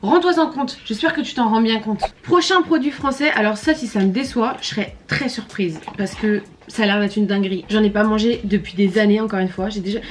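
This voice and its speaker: A woman's voice: medium pitch, a little fast, few pauses, slight background noise. A young French woman with a French accent, chatting bluntly and animatedly in a casual food-tasting vlog. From France. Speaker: vlogger.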